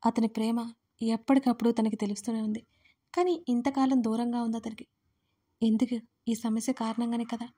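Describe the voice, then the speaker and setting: A woman narrating an audio drama series in steady, emotive storytelling. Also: on the high side, husky.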